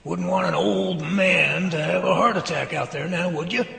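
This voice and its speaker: A man's voice: high-pitched, normal speed, creaky, sharp tone, full character voice. A man acting a sarcastic, folksy, proud old man in an amateur radio drama. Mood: mock frail sarcasm. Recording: roomy, echoing home recording with reverb.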